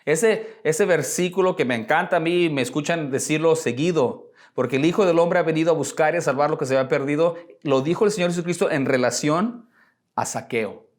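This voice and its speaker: A male pastor preaching in a conversational way, with a voice a little higher than most men. He mixes rhetorical asides and small jokes into the sermon and lifts his voice to act out quoted speech. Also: fairly quick.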